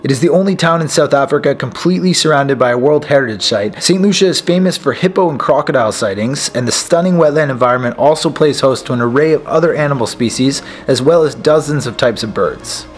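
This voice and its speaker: A man's voice: mid-range voice, quick pace, hardly any pauses. A man in his thirties, a travel vlogger chatting upbeat to a camera held at arm's length outdoors, gesturing as he talks. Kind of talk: travel vlog chat and voice-over narration. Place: outdoors on a resort deck. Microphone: handheld camera at arm's length.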